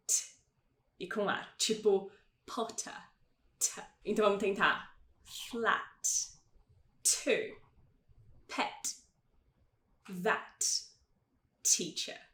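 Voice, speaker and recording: Woman teaching pronunciation, echoey room. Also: medium pitch. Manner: clear, slowed demonstrations of sounds. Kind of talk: pronunciation lesson.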